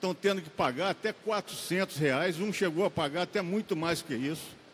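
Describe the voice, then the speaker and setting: Light background noise sits behind a man speaking in a high pitch. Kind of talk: parliamentary speech. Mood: indignant protest. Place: hall. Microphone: podium.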